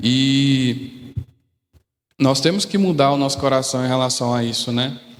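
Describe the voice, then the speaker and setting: A man talks at a moderate pace, and audible room echo surrounds his words. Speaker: Bible study teacher. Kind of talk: Bible class lecture.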